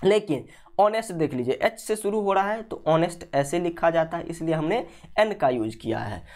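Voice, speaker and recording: A woman's voice: fairly low pitch, animated, moderate pace, a little mellow. A woman teaching English grammar in an exam-prep lesson. She speaks English with a Hindi accent, asks her students questions and then answers them herself, and often breaks off to say sorry.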